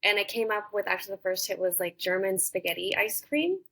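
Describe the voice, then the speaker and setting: A young adult woman talking thoughtfully as a podcast guest, pausing often with fillers and restarts. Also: medium pitch, lively intonation, vocal fry, a bit bright. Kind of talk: casual interview conversation.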